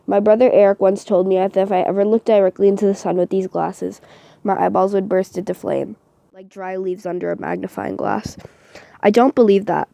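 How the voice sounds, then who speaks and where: A woman giving a deliberate, expressive dramatic reading of first-person novel narration, as for a voice audition. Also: mid-range voice, gravelly, dry recording.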